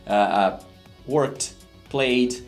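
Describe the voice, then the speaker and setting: A man's voice: medium pitch, very slow, soft background music. A man with a Brazilian Portuguese accent, an English teacher explaining grammar in a casual, joking way and talking straight to his viewers. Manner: chatty, joking, addresses viewers as "gente".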